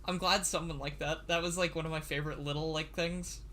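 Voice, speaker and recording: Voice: medium pitch, fairly even intonation, fairly quick, bright, forceful tone. A livestream host and series writer chatting casually on a computer mic, nervous, stammering and laughing often.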